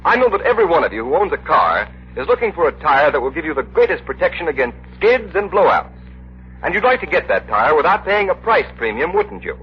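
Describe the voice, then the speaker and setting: A man's voice: on the high side, big pitch swings, fairly quick, breathy edge. A male radio announcer reading in the persuasive, emphatic style of 1930s radio. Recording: dull old radio broadcast.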